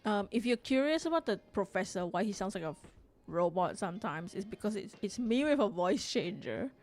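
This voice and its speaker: Woman, from Singapore, live-stream host, casual rambling chat, mid pitch, faint background music. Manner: chatty, rambling, reads chat aloud, frequent restarts and laughs. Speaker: livestream artist host.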